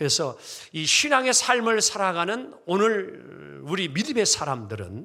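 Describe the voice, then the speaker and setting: A man speaks at a very slow pace in a space with audible room echo. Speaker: pastor. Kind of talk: sermon. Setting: church. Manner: many hesitation fillers.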